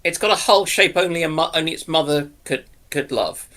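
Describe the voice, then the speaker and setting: A man's voice: fairly high pitch, fairly quick, pushed and bright. A man chatting casually as a panellist on a livestream, trading banter.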